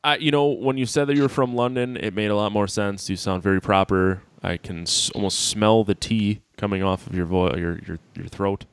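A man's voice: fairly low pitch, fairly even intonation, moderate pace, few pauses, clear, resonant tone, dry recording. An American man hosting a casual podcast chat in a blunt, sweary way. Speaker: podcast host.

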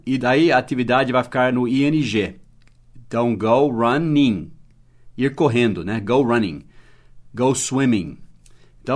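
A man whose first language is Portuguese, teaching a short English lesson in a podcast, patiently spelling words out and checking in with the listener. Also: medium pitch.

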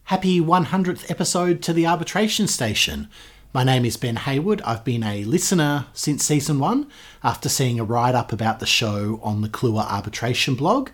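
A man's voice: medium pitch, animated, normal speed. A man from Australia sending a friendly recorded listener message.

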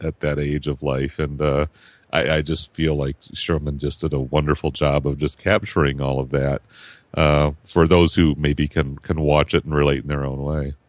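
A man's voice: rumbling low, flat delivery, moderate pace, dry recording. A man in his fifties, a podcast guest, talking casually about a film in a rambling way, full of restarts and repeated words.

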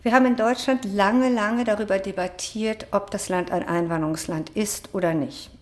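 A woman author answering interview questions in a measured, academic way, with frequent hesitation sounds. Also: mid-range voice, fairly even intonation, a little mellow. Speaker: author and social scientist, interview guest.

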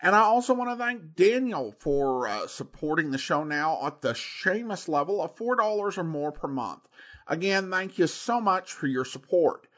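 A man's voice: fairly high pitch, lively intonation, moderate pace, fairly bright tone. A man hosting a podcast, giving a semi-scripted show introduction. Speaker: podcast host.

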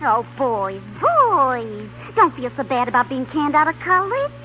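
An actress playing a brash, gushing young nightclub dancer with slangy streetwise talk in a 1930s radio comedy. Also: female voice, high voice, sing-song, unhurried, faint music behind. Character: brash young nightclub dancing girl craving publicity. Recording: scratchy, tinny 1930s radio broadcast.

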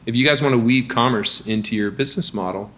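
At a quick pace and medium pitch, a company founder speaks as a guest in a relaxed business interview, with a little hiss or hum present. His energetic talk includes frequent restarts and fillers.

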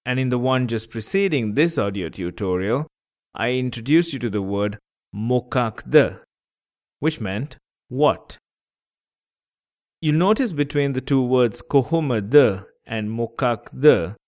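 A man teaching a language lesson on a podcast, patiently repeating examples and breaking words into syllables. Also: mid-range voice.

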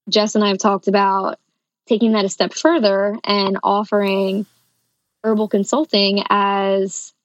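A woman's voice: medium pitch, no echo, dull audio. A woman herbalist and triathlon coach explaining things enthusiastically in a podcast interview, with frequent ums.

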